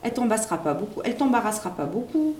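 A gentle young patrician girl with a soft, pleading, rather high voice, as a woman reading a storybook aloud plays her. She speaks earnestly. The room adds a clear echo and a faint hum. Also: sing-song, rapid-fire.

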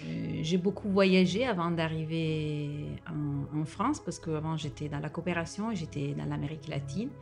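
Woman, Italian accent, middle-aged, hesitant fillers, gravelly fry. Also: sits low, normal speed, few pauses, darkish tone, faint music behind. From northern Italy. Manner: hesitant, many fillers and restarts. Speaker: podcast guest. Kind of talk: casual interview talk.

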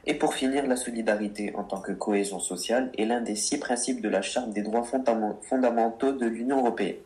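A man's voice: lowish voice, a little fast, a little mellow. A man co-hosting a radio show about words, reading earnest explanations and answering teasing with mock exasperation. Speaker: co-host of a word radio show.

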